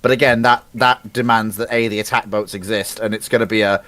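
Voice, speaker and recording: A man in a casual analytical panel chat, speaking haltingly and repeating phrases for emphasis. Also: fairly low pitch, steady tone, fairly bright tone, no room sound. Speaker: panellist on a live naval history show.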